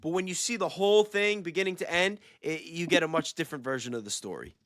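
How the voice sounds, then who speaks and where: A man hosting a casual livestream chat, talking excitedly and repeating phrases for emphasis. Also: fairly high pitch, quick pace, dry recording, clean studio sound. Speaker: livestream host with a small channel.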